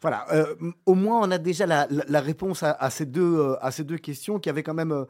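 A man's voice: a little high, fairly quick, a little mellow. A man hosting an interview, asking questions in a hesitant, rambling way with many restarts. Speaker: interview host.

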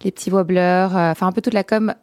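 Soft-spoken young Belgian businesswoman. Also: fairly low pitch, fairly even intonation, fast talker. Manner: soft-spoken, frequent "euh" fillers. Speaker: guest entrepreneur. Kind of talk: interview answers.

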